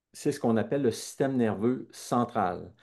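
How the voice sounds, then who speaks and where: Against a quiet background, a man with a Saguenay accent speaks at medium pitch and a fairly slow pace, his tone dark and mellow and his intonation fairly even. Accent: Saguenay Quebec French. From Quebec, Saguenay. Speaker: neuroscience researcher. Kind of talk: lecture. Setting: webinar video call. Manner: halting, many filler sounds.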